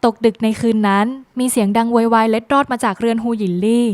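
Quick, high-voiced woman recapping a drama. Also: no echo. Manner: brisk, lively storytelling with dramatic phrasing. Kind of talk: fast scripted plot recap narration.

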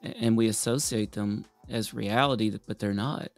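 A man's voice: lowish voice, moderate pace, soft background music. A man co-hosting a podcast, musing and hesitant as he asks questions. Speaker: podcast host. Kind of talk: casual podcast chat.

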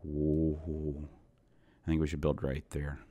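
A man's voice: a bass voice, monotone, takes it slowly, warm tone, no echo, lo-fi sound. A man in his thirties, a bit sick and losing his voice, rambling casually to viewers while playing a Minecraft game. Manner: rambling, self-deprecating, talks to viewers. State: sick, voice going hoarse. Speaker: gaming channel host. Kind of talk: casual Minecraft let's play commentary.

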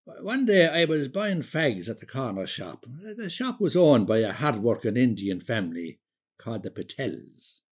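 An elderly Irishman with a husky voice and a lively, swinging delivery. He is a forgetful, wistful old builder who rambles conversationally through a radio play monologue. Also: mid-range voice, moderate pace. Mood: reminiscing. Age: older. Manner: rambling, hesitant, conversational storytelling.

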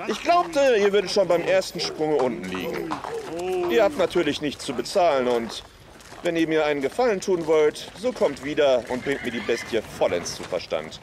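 An actor playing a shrewd middle-aged horse dealer in a radio play, commanding and hesitant with hums. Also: male voice, fairly high pitch, big pitch swings, normal speed, background noise. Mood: relieved. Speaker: horse trader.

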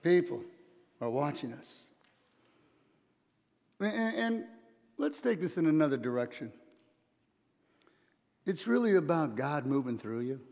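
A middle-aged pastor preaching in a big church hall, telling little stories and shifting between quiet, confiding asides and loud, urgent pushes. His voice sits slightly high for a man. The long reverb of the hall trails behind him. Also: a little slow, creaky, long pauses. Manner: storytelling preacher, animated, swings between soft asides and loud emphasis. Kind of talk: sermon. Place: church stage, large hall.

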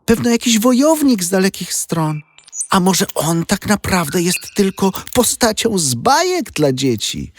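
A man's voice: high voice, very animated, measured pace, a little hiss or hum, pitched above the performer's own voice. A man voicing a sweet, sly young princess in a storybook tale, coaxing and wheedling. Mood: sweetly coaxing. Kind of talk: storybook character acting.

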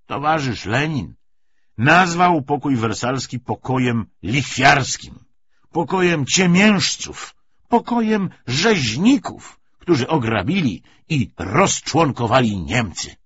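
A man voicing a sly, pompous Bolshevik official giving a speech in an audiobook, with deliberate pauses and rhetorical swells. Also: medium pitch, very animated, a bit bright, husky, muffled recording, full character voice. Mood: oratorical.

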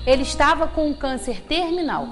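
A woman reads a story to a small audience in a steady, measured way. Her voice sits high, and music plays clearly behind her. She is recorded in a small meeting room by a camera set far back. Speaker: speaker at a spiritist center. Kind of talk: reading a story aloud in a talk.

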